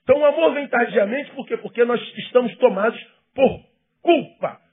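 A Brazilian Portuguese-accented man, a pastor, preaching a sermon with passion, swinging from loud emphasis to hushed tones. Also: very high-pitched, moderate pace, slightly rough. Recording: tinny phone-like sound.

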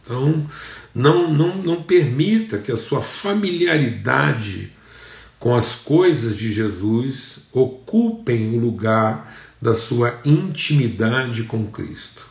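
Slow, echoey Brazilian pastor preaching. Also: male voice, lively intonation, vocal fry. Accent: Brazilian Portuguese. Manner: slow, repetitive preaching with emphatic pitch rises. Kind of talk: sermon.

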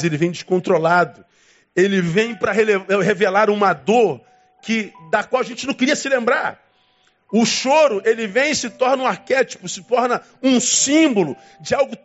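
A man preaching a sermon as pastor, emphatic, with dramatic swings in pitch and long pauses. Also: lo-fi sound.

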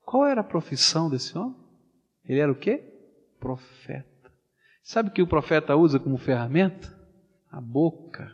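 A man with a Brazilian Portuguese accent preaching a sermon, swinging from loud animated storytelling to hushed, slow pleading. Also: on the high side, husky. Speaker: pastor. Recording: dull sound with long hall reverb.

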